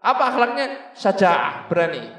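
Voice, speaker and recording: A man's voice: high-pitched, big pitch swings, moderate pace, a bit bright. A man giving a Quran commentary lecture in a mosque, asking rhetorical questions and answering them himself. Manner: addresses the audience directly. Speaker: preacher. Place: mosque hall. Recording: echoey hall with long reverb.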